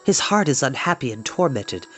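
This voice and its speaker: A troubled young hero, in an audiobook reader's near-natural voice, grave and earnest, with lively pitch movement. Soft music sits under the reading. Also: normal speed, breathy edge. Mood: solemn. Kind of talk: audiobook character voice.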